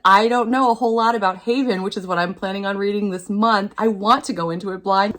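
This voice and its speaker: A woman chatting casually as a video host about her reading plans, with an excitable, gushing and emphatic manner. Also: mid-range voice. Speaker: book reviewer, video host.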